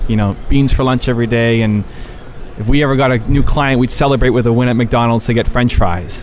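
Amid audible room echo and noticeable background noise, a man with a medium pitch talks at a fairly quick pace with fairly even intonation. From Canada, Toronto. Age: 30s. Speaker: entrepreneur and business speaker. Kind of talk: interview. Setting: conference venue.

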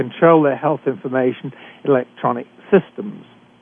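A British accent with ordinary pitch variation. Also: man. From Britain. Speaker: radio host, retired physician. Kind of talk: talk radio interview.

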